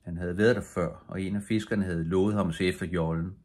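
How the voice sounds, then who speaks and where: An older man reading a bedtime story aloud as an audiobook narrator, calm and steady, with a husky voice. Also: low-pitched. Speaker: audiobook reader.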